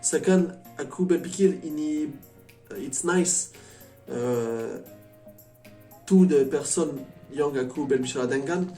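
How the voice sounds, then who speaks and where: A man from France with a French accent chatting casually as a vlogger, a foreigner speaking halting learner's Indonesian and often slipping into English. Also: fairly high pitch, mellow. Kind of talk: casual chat to camera. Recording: echoey room, distant mic, faint music.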